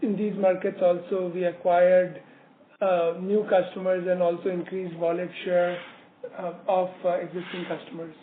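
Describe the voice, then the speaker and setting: Higher-pitched man on a phone line. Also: little pitch movement. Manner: halting, hesitant delivery with frequent filler words. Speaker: company executive presenting quarterly results. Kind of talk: business presentation on an earnings call. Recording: narrowband phone line, roomy echo, slight noise.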